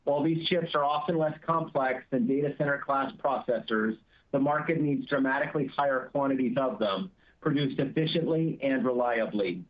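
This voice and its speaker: Male executive, mid-pitched, measured scripted delivery of earnings remarks, muffled conference-call sound. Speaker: company chief executive. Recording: dull, band-limited conference call audio.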